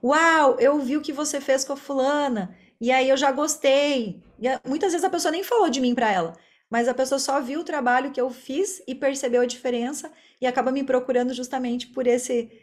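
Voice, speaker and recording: High-voiced Brazilian woman explaining her work. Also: brisk, hardly any pauses. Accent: Brazilian Portuguese. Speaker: interview guest, speech therapist. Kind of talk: conversational interview answers, explaining her work.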